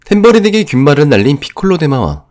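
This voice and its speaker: A man's voice: a little high, very animated, fast talker, background noise. A man giving scripted narration for an anime story recap.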